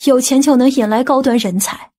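A woman's voice: high-pitched, a little fast, darkish tone. A woman playing a stern, principled middle-aged aunt in an audiobook, blunt and skeptical. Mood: disapproving. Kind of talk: audiobook character acting.

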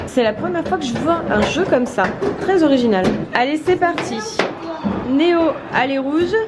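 A woman's voice: high-pitched, expressive, normal speed, very noisy. A woman with a French accent, a mother narrating a casual family vlog from a hotel, chatty and tender with her children. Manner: chatty, tender toward children, softens to a hush at bedtime. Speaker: vlog host, mother filming. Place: hotel rooms and game room, indoors.

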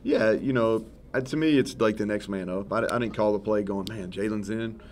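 A man in his thirties, a head football coach, sits at a press table crowded with microphones and gives frank, rambling post-game answers. His voice is fairly low and moves at a normal speed, with a little hiss or hum underneath. He keeps correcting himself in a relaxed way, speaking into several table mics in a press conference room with a sponsor backdrop behind him.

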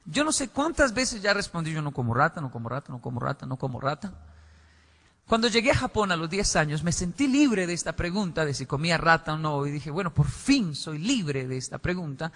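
Bright-voiced man speaking in a hall. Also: on the high side, big pitch swings, fairly quick. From Colombia. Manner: storytelling, acts out dialogue. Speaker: conference speaker. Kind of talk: public lecture. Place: large parliament hall. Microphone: podium microphone. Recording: reverberant hall, played from a video.

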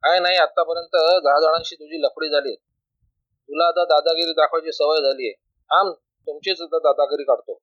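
A stern middle-aged jail warden barks at prisoners, played by a man reading aloud. His scolding tone sits slightly high and dry, with no room around it. The recording is muffled and lo-fi. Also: fairly even intonation, moderate pace, fairly bright tone, no room sound, lightly acted. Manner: scolding, bossy. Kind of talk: storybook reading. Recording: dull lo-fi recording.

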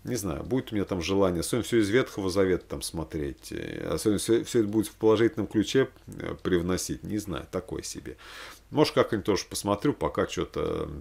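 Low-voiced man chatting off the cuff. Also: lively intonation, fast, vocal fry, a little mellow, breathy edge. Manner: rambling, thinking aloud, hesitant asides. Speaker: religious vlogger recommending films. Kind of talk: casual, unscripted chat to camera. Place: small room at home, indoors.

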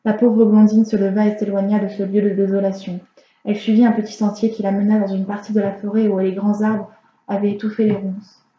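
A woman reading a fairy tale aloud as an audiobook reader, in a calm, measured storytelling manner. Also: medium pitch. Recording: roomy, slightly dull home recording.

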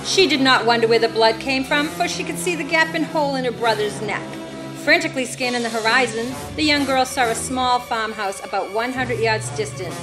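A woman's voice: on the high side, brisk, lightly acted, poor audio. A middle-aged woman acting as the storyteller, reading grave dramatic narration for a horror radio play. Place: theatre stage, live reading. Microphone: stand microphone. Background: music.

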